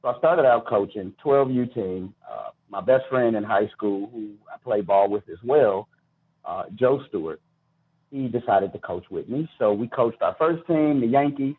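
A man's voice: medium pitch, expressive, normal speed, breathy edge, narrow, tinny audio. Middle-aged American man, slightly thin-sounding line. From Chicago, United States. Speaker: podcast guest, youth baseball coach and charity founder. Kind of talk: personal storytelling in an interview.

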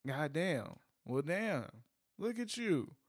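A man in his thirties co-hosting a casual chat, measured and reasoning, weighing both sides. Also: a little high, big pitch swings, husky, no room sound, studio quality. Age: 30s. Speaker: podcast co-host.

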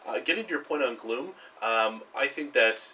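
A man chatting on a podcast in a quick, hesitant way, heard through a low-quality backup microphone. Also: animated, sharp tone. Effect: low-quality backup mic recording. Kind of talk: casual podcast chat. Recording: distant, noisy backup mic.

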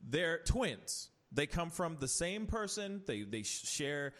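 A man's voice: a little high, very animated, slow pace, a bit bright. A man hosting a casual podcast chat, ranting animatedly with rhetorical questions and many restarts. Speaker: podcast host.

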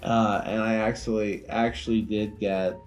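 A man co-hosting a casual comedy podcast, telling stories in a profane, animated way and acting out quotes. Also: lowish voice, measured pace, soft background music, low-quality recording. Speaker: podcast co-host.

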